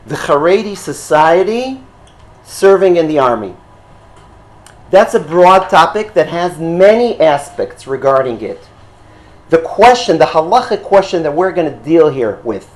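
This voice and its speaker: Halting rabbi with an Israeli accent. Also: male voice, on the high side. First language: Hebrew. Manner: halting, with frequent fillers and checks for understanding. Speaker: rabbi teaching a class. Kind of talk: explanatory lecture.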